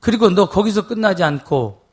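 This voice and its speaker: 부흥회에서 설교하는 남자 목사로, 이야기를 하며 대화를 흉내 내고 "예?" 하고 회중에게 자주 묻는다. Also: male voice, high-pitched, normal speed, husky. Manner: animated, acts out dialogue, often asks the congregation "예?". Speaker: pastor. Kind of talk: revival sermon with storytelling.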